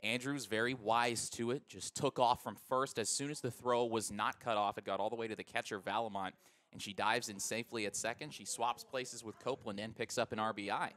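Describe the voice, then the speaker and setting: An American man giving conversational, explanatory color commentary on a live softball radio broadcast. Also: mid-range voice, steady tone, a little fast.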